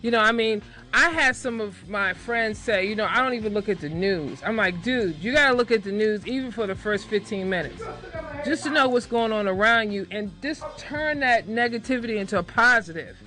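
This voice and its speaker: A woman's voice: mid-range voice, a little fast, sharp tone, soft background music, low-quality recording. A woman hosting a radio show from the studio mic, chatty and upbeat, teasing her guest. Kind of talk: casual radio talk. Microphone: studio microphone.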